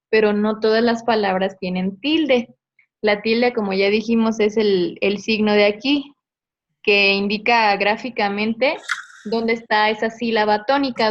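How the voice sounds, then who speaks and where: A woman's voice: medium pitch, dull audio. A woman teacher, patiently explaining a grammar lesson step by step and checking in with tag questions. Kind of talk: online class explanation.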